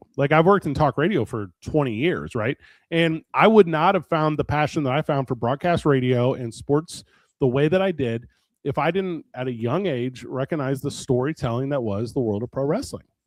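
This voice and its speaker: An American accent marks a man with an ordinary speaking voice. His pitch is fairly high, with ordinary pitch variation. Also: moderate pace. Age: 40s. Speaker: wrestling promoter and talk radio host. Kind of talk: casual chat.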